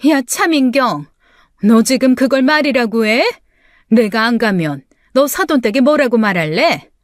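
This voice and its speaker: Woman putting on a bitter middle-aged mother, shrill scolding, higher voice, dry close sound, radio-drama story. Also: animated, unhurried, no echo. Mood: demanding. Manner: shrill, scolding, sharp retorts. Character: bitter self-pitying middle-aged mother, quick to anger.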